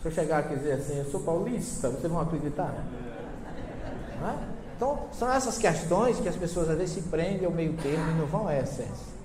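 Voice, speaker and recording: A man from Northeastern Brazil with a Northeastern accent, giving a lecture on Bible translations to a live audience, telling stories lively, acting out dialogue and questioning his listeners. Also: on the high side, fast, crowd noise. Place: large hall. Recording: echoey hall with long reverb, faint noise.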